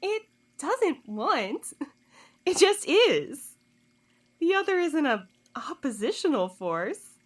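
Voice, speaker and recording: A woman's voice: sits high, sing-song, slow, full character voice. A woman playing a sly, smug informant in an audio drama, taunting her interrogators with a teasing, condescending drawl. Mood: cool, philosophical.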